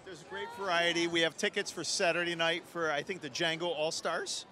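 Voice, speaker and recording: A man's voice: fairly high pitch, fairly even intonation, a little fast, sharp tone, a little hiss or hum. A man from the United States visiting a festival, talking enthusiastically in short, clipped phrases. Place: outdoors on a city street.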